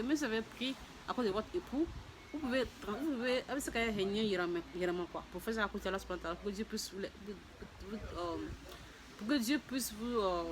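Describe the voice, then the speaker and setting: A woman talks to her viewers in a relaxed, personal vlog at an ordinary middle pitch. Her speech is halting: she repeats words and restarts her sentences often. A faint background hum sits under her voice. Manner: voices other people's lines in a raised, lively tone. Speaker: vlogger. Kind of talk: casual personal testimony to viewers.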